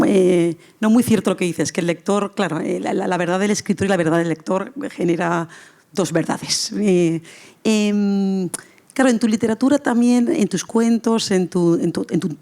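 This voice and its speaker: Woman, panel moderator, dark mellow timbre, mid pitch, halting, conversational, rephrasing. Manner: halting, rephrasing questions as she goes. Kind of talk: live literary panel conversation.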